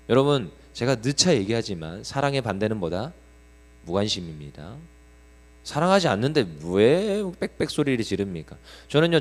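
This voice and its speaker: A man preaching a sermon to a congregation in a church, talking conversationally with rhetorical questions and light humorous stories. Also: mid-range voice. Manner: humorous storytelling asides. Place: church sanctuary. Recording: long reverb of a large hall.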